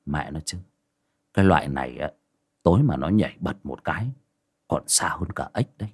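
A man voicing a calm, grim young exorcist in a folk ghost story. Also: slow pace, no room sound, clean studio sound, exaggerated voice. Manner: flat, low, muttered.

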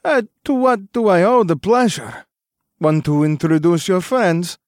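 Narrator doing a smug vampire dude, thick accent, drawn out and teasing, bouncy pitch. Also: male voice, lively intonation, unhurried, no echo, clean studio sound. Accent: thick foreign accent. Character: cocky male vampire club owner.

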